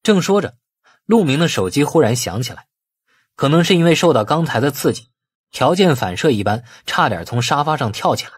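A man's voice: on the high side, very animated, fairly quick, husky, no room sound, clean studio sound. A man narrating a novel as an audiobook, telling the story in a dramatic, scripted manner.

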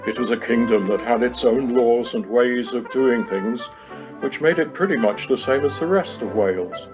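A man's voice: mid-range voice, moderate pace, over music. A man narrating a comic storybook pantomime from a script in a wry storytelling manner. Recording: slightly dull home video-call recording.

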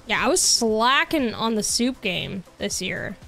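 Young woman game streamer, animated and talkative, voice a bit worn, light music underneath. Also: a little high, a little slow, gravelly. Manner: bubbly, chatty with viewers, excited outbursts. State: losing her voice. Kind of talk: casual gaming livestream chat. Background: soft background music.

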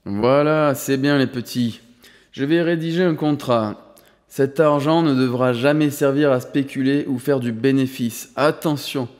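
Un vieux patriarche fortuné, exalté et malicieux, lu par un homme, parle avec emphase et fermeté. Sa voix, d'une hauteur moyenne, résonne dans une longue réverbération de salle. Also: male voice, mid-range voice, measured pace, darkish tone, close to an everyday voice. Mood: commanding. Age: older. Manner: enthusiastic, emphatic, playful. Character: exuberant elderly rich grandfather, suddenly generous. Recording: long hall reverb.

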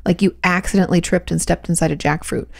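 A woman in her thirties co-hosts a podcast from a small home studio, chatting casually and telling stories full of trailing restarts. She talks fast in a low-ish, creaky voice with fairly even intonation, using a boom-arm studio mic and headphones, with no echo.

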